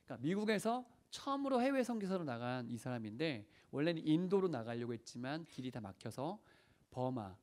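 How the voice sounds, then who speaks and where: A male pastor delivers a sermon with a somewhat raised pitch, sounding a little higher than most men. He tells stories earnestly and often turns to question the congregation. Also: a little mellow. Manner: earnest storytelling, acting out prayers and dialogue. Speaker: senior pastor.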